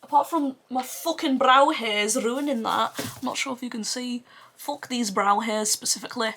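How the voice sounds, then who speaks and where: A woman's voice: on the high side, moderate pace, bright, forceful tone, slight background noise. A woman beauty vlogger rambling casually and playfully to camera, with some swearing and self-deprecation. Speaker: beauty vlogger doing a makeup tutorial.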